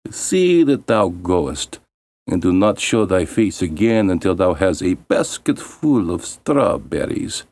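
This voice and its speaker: Man voicing a slow, menacing wicked stepmother. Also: sits low, very animated, darkish tone, dry recording, full character voice. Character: cruel, scheming stepmother, bitter and commanding.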